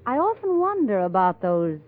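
An actress playing a guarded, wary nightclub singer in a 1940s radio drama, hesitant and evasive. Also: female voice, medium pitch, big pitch swings, normal speed. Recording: tinny 1940s radio broadcast.

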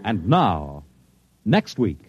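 A man announcing in a crisp, formal broadcast style at the close of a radio show. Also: lowish voice, huge pitch swings, very slow, heavy background noise. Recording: dull old radio broadcast with music.

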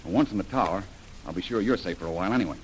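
A man's voice: deep voice, very fast, a little hiss or hum, close to an everyday voice, rough recording. An actor playing a bold, confident male jungle adventurer who takes charge in an old radio serial.

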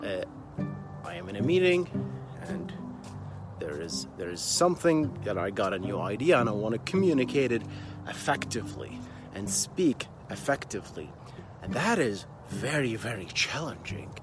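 A man in his thirties, a software engineer talking casually to camera, halting and repeating words with plenty of fillers. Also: on the low side, big pitch swings, over music. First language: Arabic.

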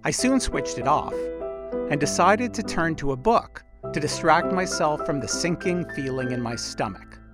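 A male podcast host delivers scripted narration in a lively, expressive way. His voice sits fairly high for a man and moves around a lot in pitch. Music plays clearly underneath. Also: normal speed.

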